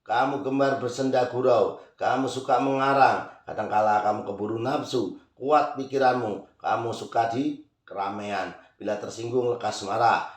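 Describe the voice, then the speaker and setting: A man's voice: mid-range voice, steady tone, moderate pace, roomy sound. A man reciting zodiac fortunes as a list of traits, calling the listener brother, and closing with a chanted Arabic prayer. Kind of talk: fortune-telling monologue.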